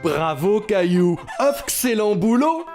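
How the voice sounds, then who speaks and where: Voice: medium pitch, big pitch swings, slow pace, over loud music. An actor playing a kindly farmer uncle in a children's cartoon, affectionate and encouraging toward a child.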